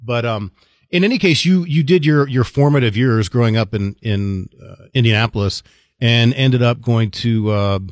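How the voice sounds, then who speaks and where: A man's voice: mid-range voice, moderate pace, no room sound, clean studio sound. Easygoing male podcast host. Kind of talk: casual interview chat.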